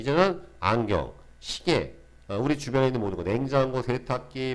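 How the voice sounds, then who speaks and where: Animated man's voice at a medium pitch, with audible room echo. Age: 40s. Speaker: sales lecturer. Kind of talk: online lecture.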